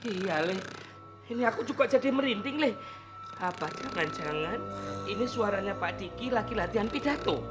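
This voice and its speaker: A man's voice: high voice, animated, normal speed. A man acting in a sitcom, flustered and defensive as he answers the others. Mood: scared. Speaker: comic actor in a sitcom. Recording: studio sitcom with loud music.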